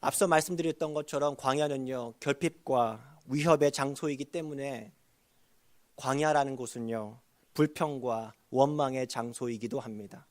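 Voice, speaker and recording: A man preaching a sermon as pastor, earnest and building to loud emphasis, leading the congregation in reading aloud. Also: mid-range voice, moderate pace.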